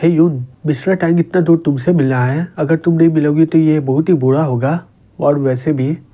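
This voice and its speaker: A man's voice: fairly high pitch, fairly even intonation, moderate pace, dark tone, close to an everyday voice. A man reading the lines of a stern, worried woman manager, in his own plain voice. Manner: plain read-out dialogue in the narrator's own voice.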